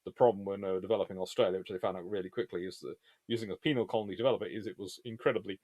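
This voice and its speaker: A man's voice: low voice, steady tone, very fast, dark tone, no room sound. A man hosting a casual live question-and-answer session, talking in a rambling, discursive way and often correcting himself. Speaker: host answering viewer questions on naval history.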